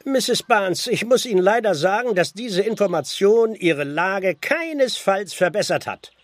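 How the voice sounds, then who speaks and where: High-pitched, brusque police constable. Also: male voice, lively intonation, a little slow, no echo. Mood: pressing. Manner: officious, brusque questioning. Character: stern, impatient village police constable, male. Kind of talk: German radio play acting.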